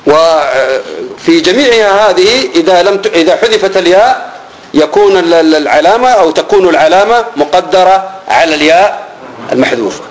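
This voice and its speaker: A male teacher explaining a grammar lesson, asking questions and answering them himself, repeating key words and dropping low and soft on each answer. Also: expressive, moderate pace, slight background noise, poor audio.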